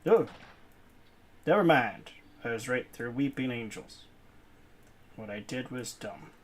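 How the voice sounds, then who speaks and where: A man's voice: medium pitch, expressive, slow pace. Chatty young man playing a game. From New England. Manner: chatty, rambling, laughs easily. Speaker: gaming channel host. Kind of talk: casual let's-play commentary.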